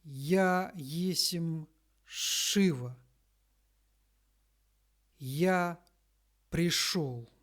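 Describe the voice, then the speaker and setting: A woman reading a scripted spiritual message in a solemn, deliberate manner, breaking it into short phrases with long pauses. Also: deep voice. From Russia.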